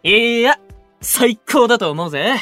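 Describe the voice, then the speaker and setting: An actor playing a brash, cocky young male idol in a Japanese voice drama, with blunt, swaggering, rough speech. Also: very high-pitched, animated, unhurried, sharp tone, dry recording, faint music behind, exaggerated voice. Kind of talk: Japanese anime-style voice drama acting.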